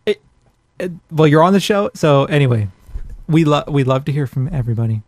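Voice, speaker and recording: A man with a fairly high voice talks as a podcast co-host. He is blunt and opinionated, swearing as he rants in a casual way. The sound is dry, with very little room in it. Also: animated, fairly quick, a little mellow, no room sound. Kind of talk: ranting casual podcast talk. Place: small home office.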